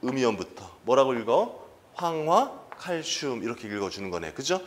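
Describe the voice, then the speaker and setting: A male chemistry instructor giving an exam-prep lecture, constantly throwing quick rhetorical questions at his students and answering them himself. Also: medium pitch, big pitch swings.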